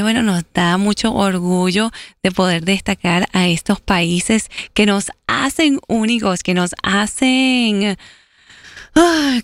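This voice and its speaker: A woman's voice: mid-range voice, no echo. A woman from Venezuela with a Puerto Rican accent, talking casually and proudly as a radio host and giving the weather. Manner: chatty, proud and upbeat.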